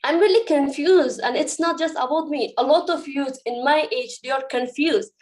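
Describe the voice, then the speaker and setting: Woman, twenties, from Afghanistan, high-pitched, earnest, student asking a spontaneous question. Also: moderate pace. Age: 20s.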